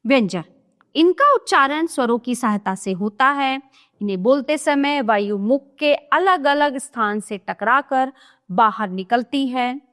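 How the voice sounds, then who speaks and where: A woman explains a Hindi grammar lesson at an unhurried, deliberate pace, her voice a little high, expressive and slightly bright. She spells out each example one at a time and pauses now and then to make sure the listener is keeping up.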